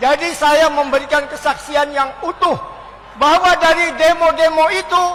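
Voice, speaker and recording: Over noticeable background noise, a man projects a raised voice at an extremely high pitch, speaking at a fairly slow pace with fairly even intonation. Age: 70s. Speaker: elder activist speaker. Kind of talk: testimony at a public forum.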